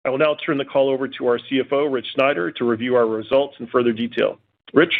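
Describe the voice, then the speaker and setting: A man in the role of chief executive reading scripted earnings call remarks in a formal, measured way over a conference phone line. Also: medium pitch, creaky. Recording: tinny narrow-band phone line.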